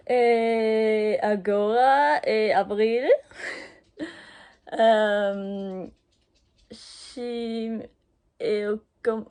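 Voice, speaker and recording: A young woman with a German accent speaks slowly in halting beginner sentences, with frequent pauses, fillers and self-corrections, and laughs often. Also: a little high, darkish tone, smooth. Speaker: language learner. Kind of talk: unscripted video message to her boyfriend.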